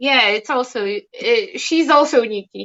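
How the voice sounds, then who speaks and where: A woman with a Polish accent speaks with very wide pitch swings. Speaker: art live streamer. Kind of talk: casual chat. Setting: live stream. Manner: halting.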